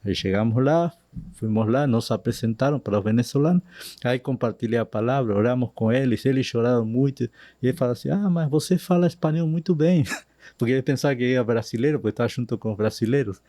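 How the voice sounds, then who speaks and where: Argentine man, mellow voice, Spanish slips in. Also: medium pitch, dry recording, studio quality. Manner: slow, animated retelling with Spanish words slipping in. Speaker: missionary guest. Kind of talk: storytelling in a podcast interview.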